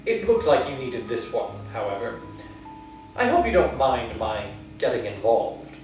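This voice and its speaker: A dry, smug black cat from a storybook, as a man puts him on, lifting his voice slightly above a plain reading tone. He speaks slowly and wryly, never hurried. The sound is very roomy and picked up from a distance, with soft guitar beneath. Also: medium pitch, big pitch swings. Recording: echoey room, far from mic, soft guitar.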